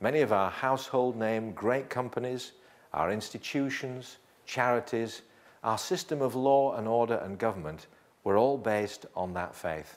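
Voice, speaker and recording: Delivered at a moderate pace, the speech has ordinary pitch variation and a Yorkshire accent. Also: man, medium pitch for a man. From northern England, Yorkshire. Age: 60s. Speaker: documentary presenter. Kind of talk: scripted narration. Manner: formal.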